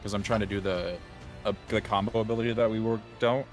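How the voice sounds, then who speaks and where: Deep-voiced man thinking aloud. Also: fairly even intonation, fast talker, soft background music. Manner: thinking aloud with many ums. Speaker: player. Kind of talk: playing a tabletop game.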